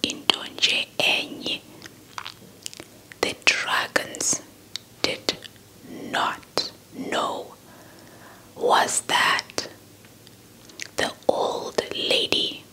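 Young female ASMR storyteller, Xhosa speaker. Whispered, extremely unhurried, close-miked delivery. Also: pushed and bright, poor audio. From South Africa. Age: young adult. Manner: slow, deliberate, repeats words for effect. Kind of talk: whispered ASMR folktale narration. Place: small indoor setup before a cloth backdrop. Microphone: handheld mic with fluffy windscreen, held close.

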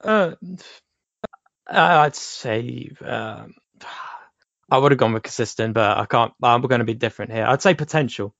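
A man's voice: medium pitch, a little slow, creaky, fairly bright tone, no echo. Guy on a racing podcast, umming through his picks, dry muffled sound. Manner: hesitant, thinks aloud with fillers. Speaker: podcast panelist. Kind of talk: casual motorsport panel chat.

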